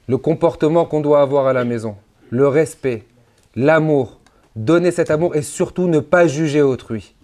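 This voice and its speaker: A man, a rabbi, giving a conference sermon with emphatic rises and drops, mixing Hebrew religious terms into his speech. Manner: emphatic preaching, sudden rises and drops in pitch and loudness.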